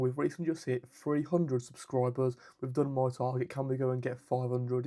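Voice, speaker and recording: He speaks at a very fast pace in an English accent. This man's medium-pitched voice keeps a monotone, flat intonation. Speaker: football podcaster. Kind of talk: solo commentary. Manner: halting, many repeated words.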